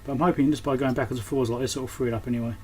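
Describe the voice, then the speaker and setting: A man with a mid-pitched voice talks through hands-on repair work in a casual, unscripted way. He mutters and thinks aloud as he goes. There is clear background noise in the recording. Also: fairly even intonation, very fast, darkish tone. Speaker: electronics repairer presenting his repair.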